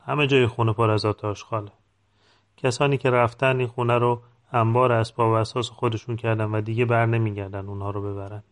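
A man's voice: medium pitch, level tone, close to an everyday voice. A man voicing a welcoming, matter-of-fact old village woman in an audiobook reading.

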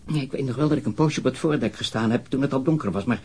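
Husky, volatile murder suspect. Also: male voice, mid-range voice, darkish tone. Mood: evasive, hesitant. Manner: halting, repeating himself, defensive. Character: disturbed, prudish, evasive murder suspect, easily enraged. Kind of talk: radio crime drama acting.

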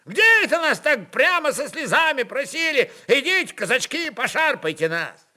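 A wiry old Cossack with a very high, forceful voice that swings widely. He is biting, defiant and quick to anger, talking in mocking folk speech for a radio play. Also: very animated, heavily acted. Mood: scornful. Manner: combative, mocking, folksy speech.

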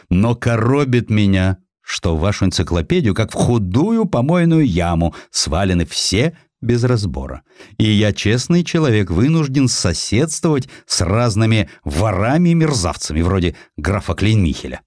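A man's voice: lowish voice, sing-song, moderate pace, darkish tone, dry recording, clean studio sound. A man voicing an indignant, blunt aristocratic count with a grumbling, rhetorical delivery for an audiobook. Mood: aggrieved.

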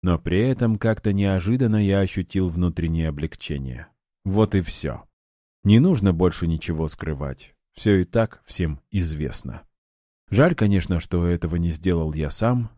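A man narrating an audiobook in the first person, with a measured, wry storytelling manner. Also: deep voice, expressive, dark tone, dry recording, clean studio sound.

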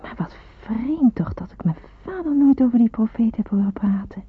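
An actress playing an earnest, devout young Jewish woman in hiding, speaking her reflections slowly in a hushed, breathy radio-drama monologue. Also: fairly high pitch, lively intonation. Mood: wondering, fervent. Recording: muffled roomy phone-like old radio recording.

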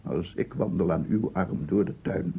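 A tormented, obsessive researcher in a radio drama. His low voice crackles with gravel as he rambles, repeats himself and breaks off. The sound is narrow and phone-like, like an old radio recording. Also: heavily acted. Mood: broken, yearning. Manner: halting, repetitive, rambling, from murmurs to loud declaiming. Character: unhinged, tormented male scientist, a visionary sound researcher. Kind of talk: radio play monologue.

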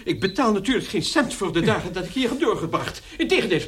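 Pompous, animated gentleman lodger. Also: sits high, fast. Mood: haughty, threatening. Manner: pompous, formal. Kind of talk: radio play acting.

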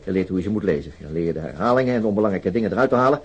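Casting: reserved, methodical police detective, radio drama, low raspy voice, lively intonation, understated delivery. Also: male voice, very fast, highs cut off. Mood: pensive, weary. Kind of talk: naturalistic radio drama dialogue.

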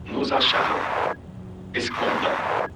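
A man's voice: slow, lightly acted. An actor playing an alarmed man hunted under fire in an audio drama. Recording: roomy, distant, noisy transmission.

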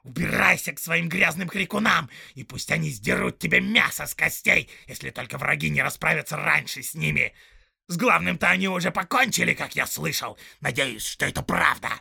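A man's voice: on the high side, moderate pace, gravelly, pushed and bright, breathy edge, no room sound, studio quality, voice pushed up, full character voice. A man voicing a small, spiteful male orc tracker who whines, mocks and snarls. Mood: snarling. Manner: whining, snarling, mocking.

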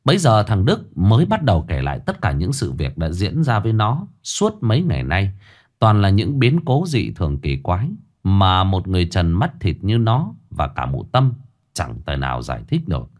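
Man, horror story narrator, low pitch, lively intonation, dramatic delivery. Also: normal speed.

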